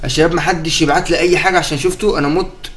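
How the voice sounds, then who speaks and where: A young man with an Egyptian accent commentating gameplay, chatty and excitable, laughing often and talking to his viewers. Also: fairly high pitch, very fast. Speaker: gaming streamer.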